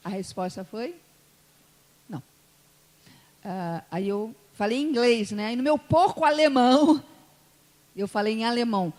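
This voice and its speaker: A woman pastor from Brazil, with a Brazilian Portuguese accent from Espírito Santo, preaching a sermon and telling stories, going from soft asides to loud emotional peaks. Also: on the high side. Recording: long hall reverb.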